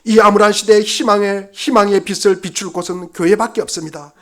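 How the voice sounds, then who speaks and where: A man preaching a Sunday sermon as pastor, fervent and emphatic, repeating phrases and dropping to hushed passages. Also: fairly even intonation, fairly quick. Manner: fervent preaching, swinging from loud exhortation to hushed low passages.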